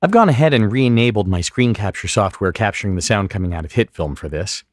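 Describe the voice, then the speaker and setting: A man giving step-by-step instructional narration as a software tutorial instructor, explaining clearly what he does on screen. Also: fairly low pitch, lively intonation, fast, no echo, clean studio sound.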